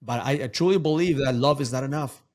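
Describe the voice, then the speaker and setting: A man's voice: mid-range voice, fast talker, darkish tone. A man talking as a guest coach in a casual interview, emphatic and preachy, often repeating words for stress.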